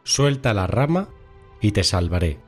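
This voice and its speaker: A man voicing the powerful, calm voice of God in a told story, speaking firmly over faint music. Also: on the low side, a little slow, slightly rough, heavily acted.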